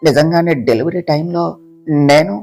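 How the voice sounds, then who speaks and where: A storyteller voicing a frightened young wife who pleads with her husband through tears, soft guitar playing behind. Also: mid-range voice, moderate pace, pitched below the performer's own voice, lightly acted. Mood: tearful. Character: tearful young pregnant wife, fearful and devoted. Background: soft guitar music.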